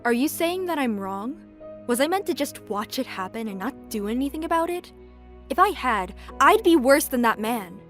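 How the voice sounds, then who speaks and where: A woman's voice: high voice, lively intonation, moderate pace, a bit bright, soft background music. A woman playing an outspoken, fiery young woman who works as a cashier in a fan audio drama, with an emphatic, forthright manner. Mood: indignant.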